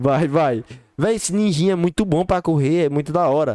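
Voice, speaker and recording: A man's dark, mellow voice, fairly high in pitch, at a moderate pace in a dry, close sound with no echo. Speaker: gaming YouTuber. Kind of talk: gameplay commentary. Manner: animated.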